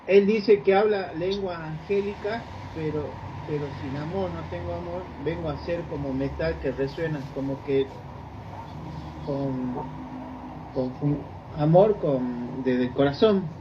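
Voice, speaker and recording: A man's voice: on the high side, a little slow. A man, new to the faith, joining a Bible study discussion and hesitantly searching for words. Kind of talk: group discussion. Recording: dull, noisy room recording.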